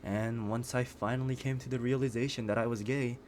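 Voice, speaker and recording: A man playing a shy, guarded young gay man in a scripted audio roleplay, speaking earnestly and quietly open. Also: mid-range voice, steady tone, a little fast, natural voice. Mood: wistful, reassuring. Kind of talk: scripted ASMR roleplay acting. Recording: clearly noisy background.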